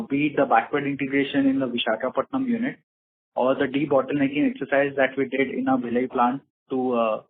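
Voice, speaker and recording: On a conference call, a company executive with an Indian accent fields investor questions during an earnings call Q&A. His mid-pitched voice is slightly rough, and he speaks in a formal, measured way. The sound is muffled and thin, coming over a narrowband phone line with a bit of roughness.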